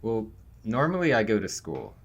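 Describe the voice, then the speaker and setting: A man playing a chatty, slightly unsure college freshman in a fiction podcast, casual and halting. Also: on the low side, huge pitch swings, husky, highs cut off, heavily acted. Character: nineteen-year-old male college freshman, chatty, excitable, unsure.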